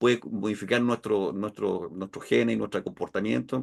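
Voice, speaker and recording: A man's voice with vocal fry over a quiet background. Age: 70s. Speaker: biologist. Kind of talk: talk followed by Q&A. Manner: halting, many repetitions.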